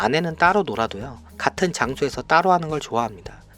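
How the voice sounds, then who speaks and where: Talking fairly quickly with lively intonation, a man is heard against noticeable background noise. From South Korea. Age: 40s. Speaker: indebted small business owner vlogger. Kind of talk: scripted vlog narration.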